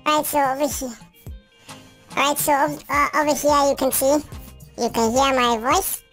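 A man voicing an artificial helium-like demo voice through a pitch-raising voice changer in a software tutorial. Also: little pitch movement, a little slow, soft background music, full character voice. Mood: demonstrating.

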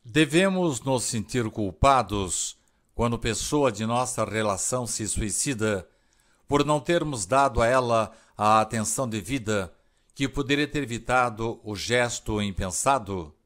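A man with a Brazilian Portuguese accent, an interviewer reading prepared questions in a formal, deliberate way. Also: mid-range voice, expressive, a bit bright.

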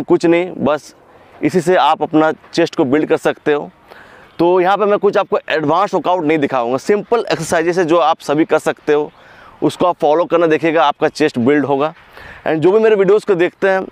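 A man's voice: on the high side, darkish tone, dry recording. Young man coaching a home workout. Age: young adult. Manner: coaching, counting reps with short commands. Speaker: fitness coach. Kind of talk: workout instruction. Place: open grass field by a lake, outdoors.

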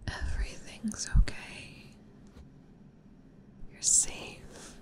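A woman voicing a gentle, caring big sister in an ASMR roleplay, soft and slightly scratchy, tender and soothing, often whispering. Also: mid-range voice, lightly acted.

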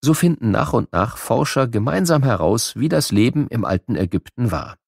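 A man narrating a scripted educational audio programme for children in a measured, explanatory way. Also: medium pitch, lively intonation, creaky, darkish tone, no room sound, clean studio sound.

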